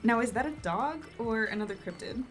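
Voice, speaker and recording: A woman's voice: on the high side, expressive, fairly quick, music in the background, lightly acted. A woman playing a reserved young newcomer reporter in an audio drama, polite and hesitant with a dry streak.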